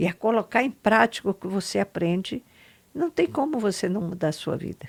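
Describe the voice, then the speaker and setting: A woman's voice swings very widely in pitch, captured dry and close with no echo in a very clean recording with a silent background. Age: 80s+. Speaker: spiritual teacher. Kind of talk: interview.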